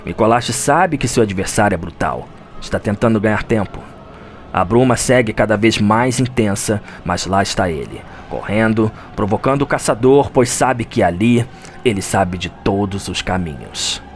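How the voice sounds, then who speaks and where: A man's voice: fairly low pitch, lively intonation, normal speed. A man with a Brazilian accent, giving dramatic scripted narration of a fantasy game story. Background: music.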